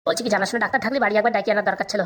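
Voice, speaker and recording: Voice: medium pitch, fairly even intonation, racing, fairly bright tone, a little hiss or hum, lightly acted. A performer voicing a crafty, fawning lawyer in a comedy cartoon, obsequious and reassuring. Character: fawning, crafty lawyer advising his madam.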